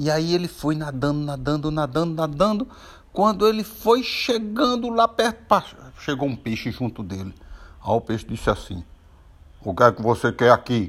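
In a warm, animated tone, a man with a fairly high voice speaks with very wide pitch swings and long, frequent pauses. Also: moderate pace. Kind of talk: bedtime story telling to children. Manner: warm, animated storyteller who plays out characters' voices and asides.

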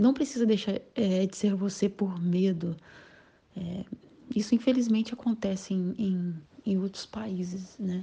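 Her voice somewhat breathy with a dark, mellow tone, a woman of medium pitch speaks at a fairly slow pace with ordinary pitch variation and long, frequent pauses. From Brazil. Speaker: nursing technician living abroad. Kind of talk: recorded personal testimony.

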